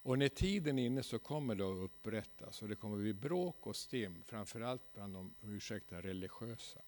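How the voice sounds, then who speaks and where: Gravelly folksy Swedish preacher man. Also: lowish voice. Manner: folksy, ironic, frequent tag "va?". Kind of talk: seminar sermon. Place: church hall.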